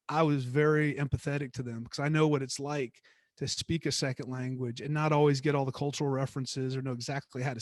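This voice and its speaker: A man's voice: a little high, dry recording. Middle-aged male guest speaker, easygoing and reflective, frequent restarts, dry recording. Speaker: guest speaker, former theme park executive. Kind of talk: conversational class talk.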